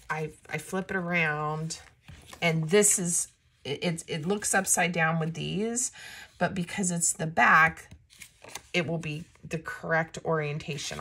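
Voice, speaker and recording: A woman talking through a paper craft tutorial in a casual, chatty way, her voice a bit raspy from a coming cold. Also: low voice, pushed and bright, slight background noise. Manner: chatty and self-deprecating, talks while working. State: slightly raspy from a starting cold. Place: crafting desk indoors, filmed from above.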